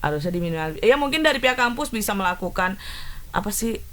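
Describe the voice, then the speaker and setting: A woman's voice: mid-range voice, quick pace. A young woman co-hosting a regional news talk show in casual, chatty conversation. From Indonesia. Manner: chatty, animated when telling a story. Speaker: co-host.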